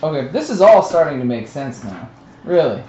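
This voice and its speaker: A man with an animated voice chats in slangy, sweary fashion as a game player. The recording is roomy and dull, with clear noise in it. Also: fairly high pitch, normal speed. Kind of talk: casual tabletop game chat. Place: indoor room, group around a game table. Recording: roomy, dull, clearly noisy live stream.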